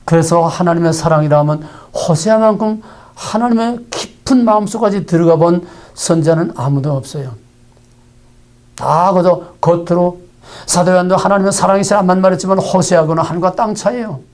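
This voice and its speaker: A man's voice: sits high, moderate pace, a little mellow. A male preacher delivering a sermon with heavy emphasis. He stacks up repeated phrases and throws rhetorical questions at the congregation.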